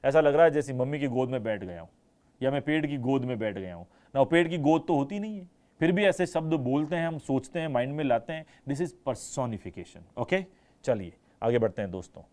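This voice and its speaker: Indian guy teaching live online english class, mellow voice, switches hindi english, acts out the sound words. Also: medium pitch, expressive, a little fast. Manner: mixes Hindi and English, asks students questions, imitates sounds.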